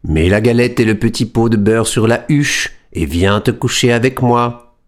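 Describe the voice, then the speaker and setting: A woman voicing a sly male wolf in disguise, speaking slowly with a drawn-out, menacing manner. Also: a bass voice, voice pushed down.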